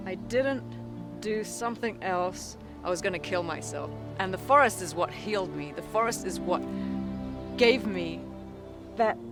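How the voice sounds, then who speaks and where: A man who teaches wilderness skills, speaking slowly and reflectively in a documentary interview and while teaching. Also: sits high.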